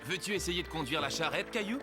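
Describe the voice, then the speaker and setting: A man plays a friendly ranch cowboy from a kids' cartoon, explaining things in an encouraging way. The pitch moves around in a lively way, with music clearly behind the voice. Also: fast talker, lightly acted. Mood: upbeat. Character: friendly cowboy ranch hand showing a child horses. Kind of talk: children's cartoon dubbing.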